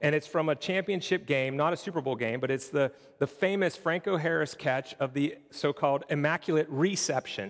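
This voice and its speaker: A man with an American accent and a normal speaking voice, fairly high in pitch with ordinary variation, very even in loudness, at a fairly quick pace with hardly any pauses. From Pittsburgh, US. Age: 40s. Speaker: pastor. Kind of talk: sermon. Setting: church.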